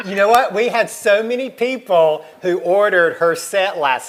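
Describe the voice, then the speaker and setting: A woman with an American accent at a fairly slow pace, very wide pitch swings, and noticeable background noise. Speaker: co-host of live shopping broadcast. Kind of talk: live call-in show.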